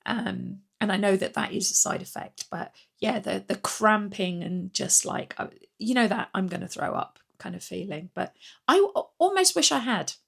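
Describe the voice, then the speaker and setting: Woman, middle-aged, croaky with a cold, gravelly, rambling casual vlog chat. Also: medium pitch, lively intonation, moderate pace. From Britain. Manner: rambling, chatty, frequent ums and restarts. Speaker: weight-loss vlogger. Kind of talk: casual chatty vlog update.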